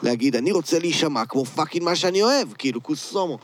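A man's voice: fairly high pitch, expressive. Israeli man in slangy, casual chat. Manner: slangy, peppered with English words. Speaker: interview guest, rapper and music producer.

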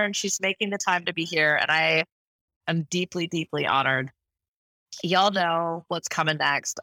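A woman's voice: lowish voice, sharp tone, no echo, poor audio. A woman hosting a podcast, introducing her guest in an effusive, rambling way from a hotel room. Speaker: podcast host. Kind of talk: enthusiastic interview introduction.

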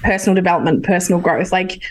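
A woman's voice: lowish voice, fast talker. A woman from New Zealand with a light accent between New Zealand and Australia, a hypnotherapist chatting openly and eagerly as a podcast guest. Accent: light New Zealand-Australian blend. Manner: open, enthusiastic, self-deprecating. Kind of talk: casual interview chat.

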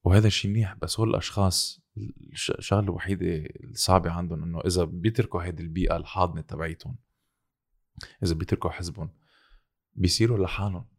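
A man's voice: low-pitched, fairly even intonation, racing, gravelly, pauses often. A man with a Lebanese Arabic accent talking casually about politics, insistent and repetitive, often switching into English phrases. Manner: insistent, repeats points.

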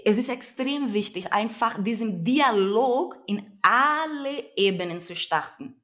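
A young adult woman from Brazil, speaking with a Brazilian Portuguese accent, appears as an activist guest in a conversational interview. She talks earnestly and emphatically, often searching for her words. Her voice is a little high and fairly bright, with lively intonation and a slightly slow pace.

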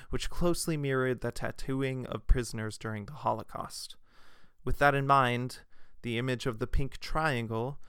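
A man giving a scripted essay narration in a measured way, reading quotations aloud. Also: mid-range voice, fairly bright tone, clear, resonant tone, no room sound, clean studio sound. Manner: measured, reads quotations aloud with "quote" and "end quote".

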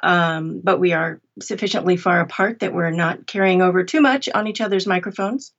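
A woman's voice: fairly low pitch, moderate pace, highs cut off. A middle-aged woman speaking conversationally as an interview guest about her work. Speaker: interview guest, audiobook narrator.

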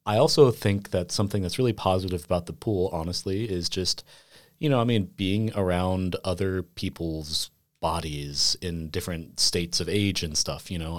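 A young man who went to school in Iceland, chatting reflectively on a podcast with many "you know" fillers. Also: sits low. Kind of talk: casual conversation.

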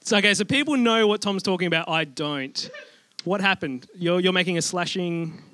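A man in his thirties co-hosting a podcast, wisecracking and quick to laugh. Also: sits high, bright, forceful tone, no echo. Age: 30s. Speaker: podcast co-host. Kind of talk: casual comedic chat.

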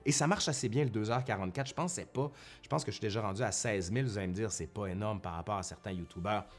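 A man's voice: on the low side, fast talker, faint music behind. Chatty man with a Québécois accent. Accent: Québécois French. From Quebec, Canada. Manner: chatty, self-correcting, with colloquial asides. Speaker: history YouTuber and university professor. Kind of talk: casual vlog monologue to viewers. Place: at home in front of a bookshelf.

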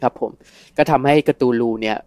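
A man's voice: medium pitch, fairly quick, a little mellow, no room sound. A man co-hosting a podcast, explaining lore at length in casual chat and laughing between points.

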